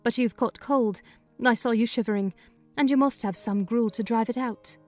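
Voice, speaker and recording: A woman's voice: fairly high pitch, moderate pace, darkish tone, faint music behind, natural voice. A woman reading a kindly, talkative older housekeeper in a dramatized audiobook. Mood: chatty. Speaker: narrator voicing housekeeper.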